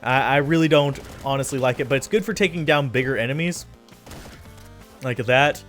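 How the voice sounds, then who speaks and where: With a medium-pitched, fairly bright voice and a moderate pace, a man offers casual, chatty commentary on his own gameplay. He often mocks himself and drifts off mid-thought, as let's play commentators do, over faint game music.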